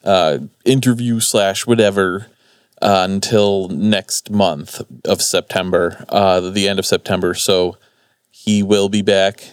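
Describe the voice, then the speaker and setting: A man's voice: lowish voice, smooth, no echo, studio quality. A man hosting a podcast in casual, informal, unpolished chat. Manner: informal, sweary. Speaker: podcast host.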